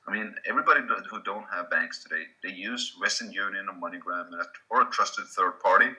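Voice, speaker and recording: A man with a Swedish accent, a native Swedish speaker, giving a casual slide presentation with halting restarts. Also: fairly low pitch, bright, forceful tone, rough recording. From Sweden.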